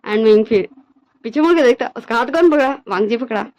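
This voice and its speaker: A woman's voice: on the high side, expressive, quick pace, darkish tone, poor audio. A woman telling her own fan-fiction story in a casual, chatty way, dropping in English words.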